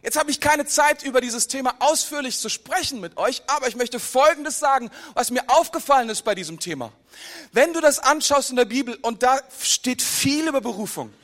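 A man preaching a sermon, lively, chatting with the congregation through asides and questions, sometimes dropping low and quiet for emphasis. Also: brisk. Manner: pitch and volume drop low for emphasis. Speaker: pastor.

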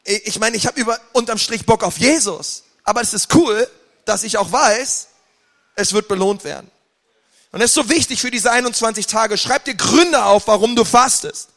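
A man preaching a sermon with passion, moving between loud outbursts and quiet, intense stretches. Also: sits high, normal speed. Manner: impassioned, swings from loud to quiet. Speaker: pastor. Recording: long hall reverb.

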